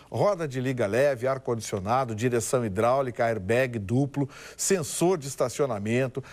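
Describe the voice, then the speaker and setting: A man delivering a live promotion as a salesy prize announcer, throwing out rhetorical questions. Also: medium pitch. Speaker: advertising pitchman on a talk show. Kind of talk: spoken live car dealership promotion.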